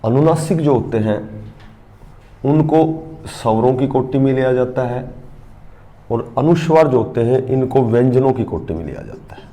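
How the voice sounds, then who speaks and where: A middle-aged male teacher giving an exam-prep grammar lesson, repeating key terms slowly so students can write them down. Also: mid-range voice, expressive, dark tone.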